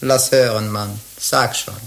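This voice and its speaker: An actress playing a sly, earthy older Gypsy procuress queen in a radio drama, gravelly, teasing and theatrical. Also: a bass voice, fairly even intonation, slow, slight background noise, heavily acted. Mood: scolding, passionate.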